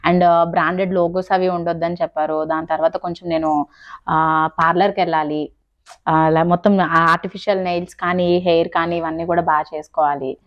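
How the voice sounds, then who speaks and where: A woman's voice: on the low side, little pitch movement, brisk, dull audio. A woman YouTuber and serial actress in a staged prank chat at home, insistent and pleading, talking over her partner.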